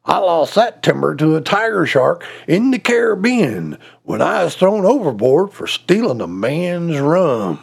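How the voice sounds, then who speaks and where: A man voicing a gruff old male pirate who growls his words. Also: a little high, very animated, measured pace, few pauses, full character voice.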